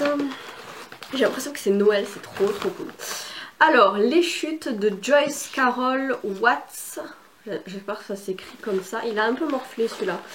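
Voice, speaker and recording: Chatty woman unboxing books, slightly high. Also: a little hiss or hum. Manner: chatty, enthusiastic, many fillers. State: has a cold. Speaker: book vlogger. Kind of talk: casual unboxing chat.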